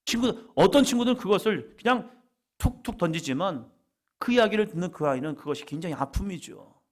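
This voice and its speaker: Dramatic Korean pastor with lively pitch. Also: male voice, fairly quick. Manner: dramatic, swings from loud cries to quiet asides; leads the congregation in call-and-response. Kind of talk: lively evening worship sermon.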